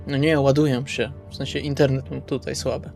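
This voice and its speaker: A man's voice: medium pitch, little pitch movement, brisk, creaky, a little mellow. A man chatting casually and a little hesitantly in character as a player in a tabletop roleplaying session. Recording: music bed under the voice. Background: background music.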